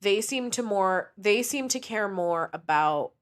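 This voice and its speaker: Young female co-host, casual swearing storyteller, lively pitch. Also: a little slow. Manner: animated storytelling, frequent swearing. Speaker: podcast co-host. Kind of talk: casual true crime podcast chat.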